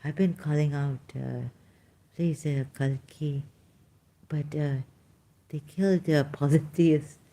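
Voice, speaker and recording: A slow, hesitant speaker with a Pakistani English accent tells a personal story off the cuff. The voice is dark, gravelly and creaky. Sentences stall and restart often, full of fillers. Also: mid-range voice, fairly even intonation. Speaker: vlogger sharing personal experience. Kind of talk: unscripted personal testimony.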